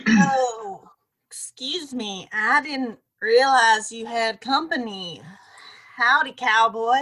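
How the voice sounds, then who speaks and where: A woman's voice: a little high, slow pace, bright, forceful tone, full character voice, poor audio. A woman playing a coy, brassy saloon woman in a western audio play. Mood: coy, teasing.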